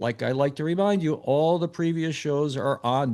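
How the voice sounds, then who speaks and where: Here a man with a fairly high pitch speaks at a moderate pace in a normal speaking voice over a quiet background. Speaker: radio talk show host. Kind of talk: radio show opening.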